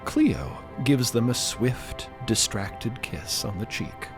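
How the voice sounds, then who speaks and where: Casting: male narrator, mid-pitched and very expressive, music behind. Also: slow pace. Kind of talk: scripted dramatic narration.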